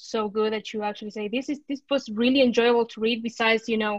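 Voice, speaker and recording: A woman speaks in an Argentine accent at a fairly quick pace. Her intonation is monotone and flat. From Argentina, Córdoba. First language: Spanish. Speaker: lawyer, liberty advocate. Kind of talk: podcast interview. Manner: hesitant, many fillers.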